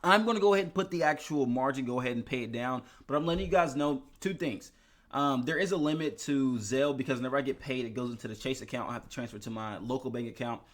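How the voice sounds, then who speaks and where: A young man talks casually to his viewers about his investment account, sleepy and rambling, full of fillers and restarts. His voice sits at a middle pitch, neither high nor low. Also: quick pace. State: tired from little sleep, yawning. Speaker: finance YouTuber.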